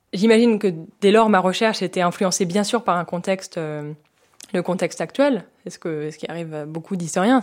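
A woman historian explaining her research in a measured way, with frequent hesitations. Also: on the low side, a little mellow. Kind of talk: explanatory interview.

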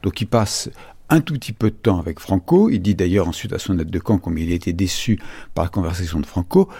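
A man's voice: deep voice, lively intonation, fairly quick, mellow, slightly rough, no room sound. A man, a writer, arguing firmly in a radio debate. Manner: assertive, argumentative, reads a quoted passage. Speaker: writer guest.

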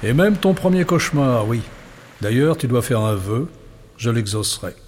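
A man's voice: medium pitch, expressive, normal speed, darkish tone, a little hiss or hum, lightly acted. A man voicing a teasing nightmare creature. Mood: mock-menacing. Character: tiny crawling nightmare creature, playful, teasing.

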